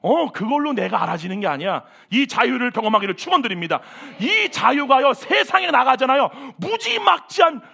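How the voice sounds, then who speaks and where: A man preaching a sermon as senior pastor at a church service, animated and exclamatory, with self-mocking asides. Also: very high voice, brisk, gravelly, few pauses.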